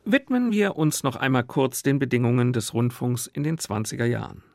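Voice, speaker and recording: A man's voice: mid-range voice, expressive, normal speed, gravelly, a little mellow, dry recording, clean studio sound. A man hosting a radio discussion, speaking in a reflective, searching manner. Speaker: radio host and interviewer. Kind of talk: moderated radio discussion, scripted introductions and spontaneous talk.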